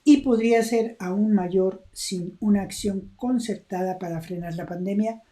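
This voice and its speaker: Female co-host, very dark mellow tone, calm news reading. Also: medium pitch, unhurried.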